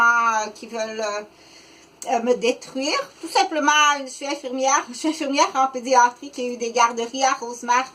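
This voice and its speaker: A woman in her fifties with a Québécois French accent, talking unscripted to the camera in a rambling, halting way, full of fillers and restarts. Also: a little high, low-quality recording. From Quebec, Canada. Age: 50s. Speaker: vlogger.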